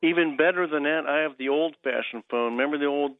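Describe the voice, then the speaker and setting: A man's voice: fairly high pitch, fast talker, no echo. A man calling in to a radio talk show over a landline phone, chatting casually and rambling. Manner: rambling, chuckling. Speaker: caller. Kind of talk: casual call-in chat. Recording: tinny phone line.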